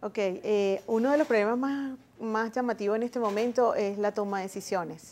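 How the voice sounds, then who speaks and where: With a Venezuelan accent, a woman speaks at a moderate pace and medium pitch with fairly even intonation. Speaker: lawyer. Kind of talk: expert interview. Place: studio. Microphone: lapel.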